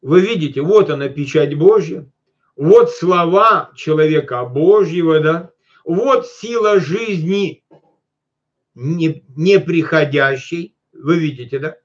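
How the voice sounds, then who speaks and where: Preacher man, fairly high voice, lo-fi. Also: lively intonation. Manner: reads scripture slowly, then explains in quick colloquial asides; often addresses listeners directly. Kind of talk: sermon. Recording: dull lo-fi recording.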